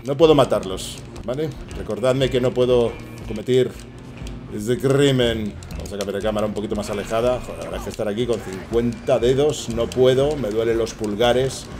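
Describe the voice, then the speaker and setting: A man with a Spanish accent giving excitable, swearing live commentary while playing and chatting to viewers. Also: mid-range voice, moderate pace, over music. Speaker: gaming streamer. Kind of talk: casual live gameplay commentary.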